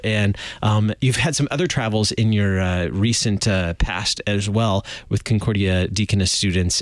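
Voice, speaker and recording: Man, radio host, fairly low voice, dry studio sound, chatty. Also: no echo. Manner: friendly, chatty, laughs easily.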